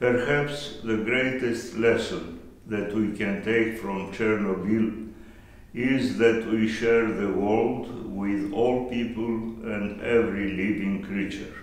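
A very slow man's voice with fairly even intonation and audible room echo. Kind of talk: formal address. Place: church.

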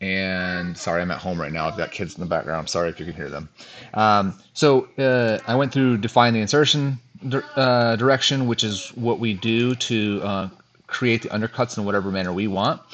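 A man with a plain, everyday voice talks at a moderate pace in a fairly low pitch with ordinary pitch variation, over light background noise. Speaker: dentist instructor. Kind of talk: tutorial. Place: home room.

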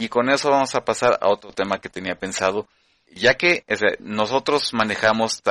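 Bright and sharp in tone, a man's fairly low voice moves at a moderate pace with ordinary pitch variation. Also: dry, close sound with no echo. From Mexico, Chihuahua. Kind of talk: roundtable discussion.

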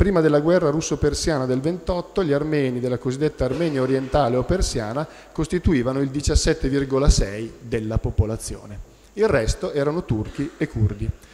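Heard at a moderate pace, an unremarkable speaking voice carries ordinary pitch variation. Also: man, fairly high pitch for a man. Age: young. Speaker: linguistics professor. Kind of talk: lecture. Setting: conference hall. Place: hall.

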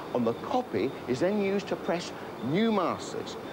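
Noticeable background noise behind a man's moderate pace. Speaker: TV presenter. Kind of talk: educational presentation. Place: factory.

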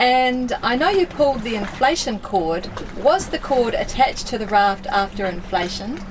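A woman with a high pitch speaks at a fairly slow pace over noticeable background noise. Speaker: sailing vlogger. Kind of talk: Q&A answers, casual vlog chat. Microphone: camera far.

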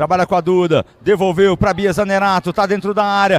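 A man talking at a fairly quick pace against noticeable background noise. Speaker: football match commentator. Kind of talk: live sports commentary.

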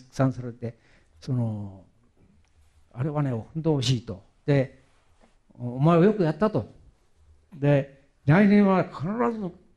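A man's dark, mellow tone with very wide pitch swings against a quiet background. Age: 80s+. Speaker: triathlete. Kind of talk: lecture talk. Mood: warm, smiling, reflective. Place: hall.

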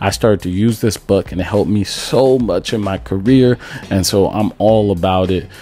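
A man speaks at a fairly slow pace in a fairly low voice with ordinary pitch variation, recorded dry with no echo. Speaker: baseball hitting coach. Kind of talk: tutorial. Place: home room. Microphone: studio mic.

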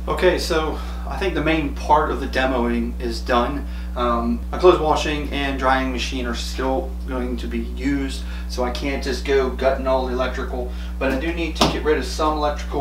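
A man's very deep, low voice in a monotone, flat delivery at a moderate pace, with noticeable background noise. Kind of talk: tutorial. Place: home room. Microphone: camera far.

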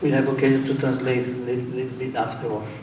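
With light background noise behind him, the man's speech has audible room echo. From Valcamonica, northern Italy; northern Italy. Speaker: gallery owner. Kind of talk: anecdotal talk. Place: hall. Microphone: podium.

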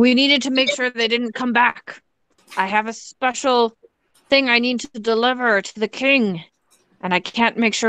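A female-sounding voice performs a put-on character voice at a high pitch and moderate pace.

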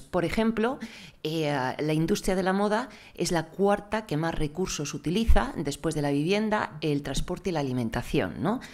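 Her intonation is lively as the woman speaks at a moderate pace. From Madrid, Spain; Spain. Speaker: sustainable fashion consultant and moderator; moderator. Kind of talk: conference talk. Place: meeting room. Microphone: podium.

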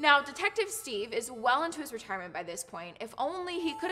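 A woman talks at a very fast pace with clear music in the background. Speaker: true crime storyteller host. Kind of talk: storytelling narration. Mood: animated, playful storytelling. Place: kitchen.

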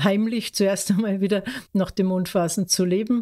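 With a dark, mellow tone, a woman speaks at a moderate pace and with fairly even intonation. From Tyrol, Austria (mountain farm). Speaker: author and lunar calendar expert. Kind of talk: interview.

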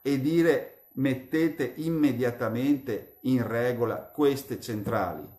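Here a man speaks at a medium pitch. His pace is very slow. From Veneto, Italy. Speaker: politician. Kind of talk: live-streamed political update. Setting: live video stream. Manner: hesitant with fillers.

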